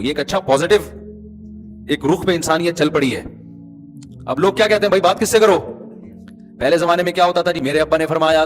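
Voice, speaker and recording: A man preaching in a lively, conversational way, with a voice that sits a little higher than most men's. He is animated and rhetorical, and he teases his listeners with questions. Faint music plays underneath. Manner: animated, rhetorical, teasing the audience. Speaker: Islamic preacher. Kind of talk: conversational sermon.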